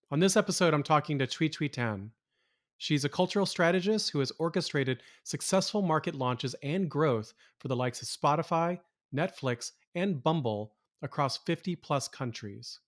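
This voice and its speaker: A man hosting a podcast, reading a short scripted intro and then asking casual interview questions in a measured way. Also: on the high side. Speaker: podcast host.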